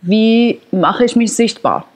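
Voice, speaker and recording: A woman's voice: fairly high pitch, slow pace. Reflective woman musician. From Iran. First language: Persian. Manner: reflective, searching for words, laughs often. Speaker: guest musician. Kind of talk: conversational interview.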